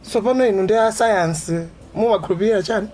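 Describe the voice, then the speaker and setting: A woman's voice: medium pitch, quick pace, mellow, a little hiss or hum, natural voice, rough recording. A Malawian actress playing a devout, earnest young bride-to-be chatting with her friend in a radio drama. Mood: questioning. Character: devout born-again young bride-to-be, earnest bank worker. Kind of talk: radio drama dialogue in Chichewa with some English. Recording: music under the dialogue.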